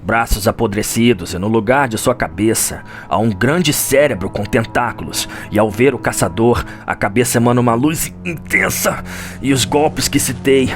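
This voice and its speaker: Music plays prominently under a Brazilian man telling a dark fantasy story. His voice sits at a medium pitch, and his delivery is solemn and theatrical, built for suspense like an audio drama. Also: moderate pace. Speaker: narrator of a video game lore audio drama. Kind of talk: dramatic scripted storytelling narration. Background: background music.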